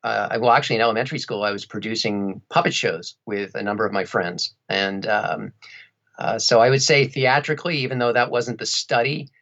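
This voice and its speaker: Male interview guest, lowish pitch, wry casual storyteller, slightly muffled lo-fi audio. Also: fairly even intonation, brisk, a bit bright. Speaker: interview guest, audiobook narrator and radio play performer.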